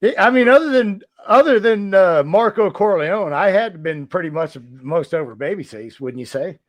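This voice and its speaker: A man's voice: high voice, animated, normal speed, dry recording. A man reminiscing casually as a podcast host, with a joking, self-mocking way of talking. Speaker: podcast host, former wrestler.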